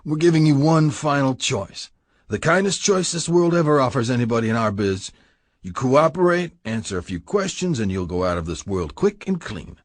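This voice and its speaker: A man voicing an older male biker club president who threatens and commands, husky and menacing. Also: mid-range voice, sing-song, normal speed, dry recording, pitched above the performer's own voice.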